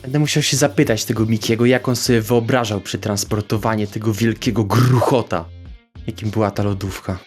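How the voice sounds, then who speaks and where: Excitable low-voiced male player. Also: fairly quick. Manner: excitable, swears in frustrated outbursts. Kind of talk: in-character tabletop play. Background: faint background music.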